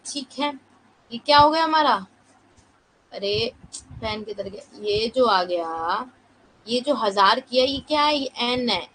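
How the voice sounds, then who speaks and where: A woman with a high voice teaches a live online class in a soft, unhurried way, checking in with her students and asking herself questions as she explains. She sounds tired from fasting. A faint hiss sits under the voice. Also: low-quality recording. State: fasting, low energy.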